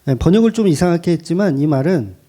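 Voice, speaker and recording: A male pastor preaching a sermon in a church, his pitch swinging widely as he drives his points home. He keeps asking rhetorical questions and repeating key phrases for emphasis, in a warm, mellow voice that sits a little high. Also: animated, fast.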